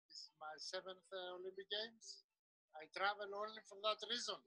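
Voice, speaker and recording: A middle-aged Greek man speaking outdoors at an event, chatting about his hobby in short, halting phrases full of "uh" pauses. His voice is bright and forward, with a dry close-miked sound and no room around it. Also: sits high, dry recording, low-quality recording. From Greece. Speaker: Olympic pin collector. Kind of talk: casual interview.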